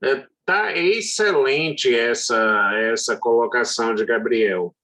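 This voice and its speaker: Male law lecturer, middle-aged, unhurried and halting, mid-pitched. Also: bright, forceful tone. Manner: slow, hesitant, many drawn-out fillers. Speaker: law professor. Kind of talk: university lecture.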